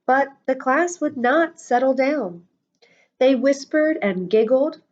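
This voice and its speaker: A woman reading a children's storybook aloud in an expressive, deliberate schoolteacher's manner. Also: high-pitched. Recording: dull lo-fi audio.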